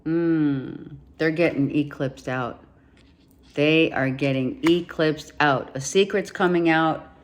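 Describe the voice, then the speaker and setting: A woman giving a monthly tarot reading, emphatic and repeating herself, her voice going hoarse with some coughing. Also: low voice, slow pace. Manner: emphatic, repeats herself, talks straight to the viewer. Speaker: tarot reader.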